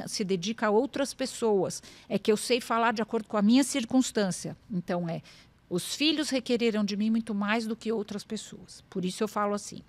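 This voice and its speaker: A woman's voice: medium pitch, no echo. A middle-aged woman with a Brazilian Portuguese accent, a lawyer speaking as a podcast guest, earnest and emphatic, acting out quoted dialogue as she tells stories. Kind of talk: conversational interview.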